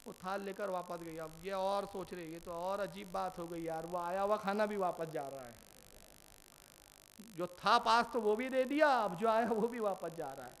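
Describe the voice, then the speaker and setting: A male preacher giving a Muharram sermon, telling stories with animated delivery, acting out dialogue and putting questions to his listeners. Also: high voice, hardly any pauses, slight background noise.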